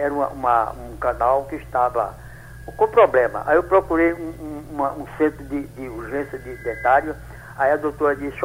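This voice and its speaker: Halting man in his eighties. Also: a little high, breathy edge, rough recording. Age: 80s. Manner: rambling, halting storytelling with many restarts. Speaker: caller. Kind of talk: phone-in radio call.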